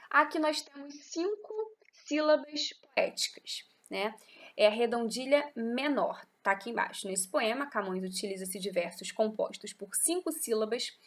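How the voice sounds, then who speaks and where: A woman teacher with a Brazilian Portuguese accent gives a class lecture, explaining patiently and often checking in with her students. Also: mid-range voice. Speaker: literature teacher.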